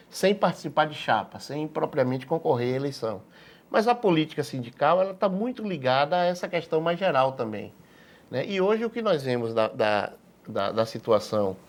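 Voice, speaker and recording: A man in his sixties from Salvador with a Bahian accent, a physician answering interview questions in a measured, halting way, repeating words as he thinks. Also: a little high. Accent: Bahian Brazilian Portuguese. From Salvador, Bahia, Brazil. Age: 60s. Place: TV studio.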